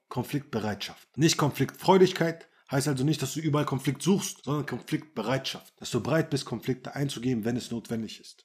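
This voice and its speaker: A man coaching male listeners in a podcast monologue, blunt and crude, talking straight to the listener and repeating phrases for emphasis. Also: medium pitch. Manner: brash, blunt and crude, addresses listener directly. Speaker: dating and self-confidence coach. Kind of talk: direct-to-camera podcast monologue.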